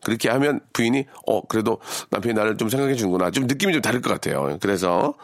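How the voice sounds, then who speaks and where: A man's voice: on the low side, expressive, fast talker, no room sound, clean studio sound. A man hosting a radio show, chatting playfully and straight to listeners while reading out their messages. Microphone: studio microphone.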